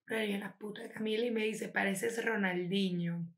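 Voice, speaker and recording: A woman's voice: medium pitch, fast talker, reverberant. A young adult woman with a Venezuelan accent, co-hosting a podcast and telling stories in a casual chat, packed with slang. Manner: animated storytelling, heavy slang. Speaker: podcast co-host.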